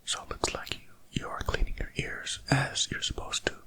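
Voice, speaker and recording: Someone in a whispered role-play as a gentle, reassuring hearing examiner, whispering close into one ear and then the other, softly repeating words. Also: moderate pace. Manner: close ear-to-ear whispering, moving between left and right ear. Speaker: ASMR performer playing a hearing examiner.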